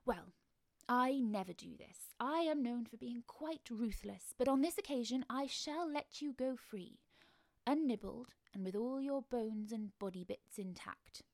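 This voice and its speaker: A woman's voice: a little high, animated, unhurried, darkish tone, no room sound, voice pushed up. A woman voicing a polite, greedy crab-man. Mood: magnanimous. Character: greedy, ruthless half-man half-crab gentleman, politely apologetic.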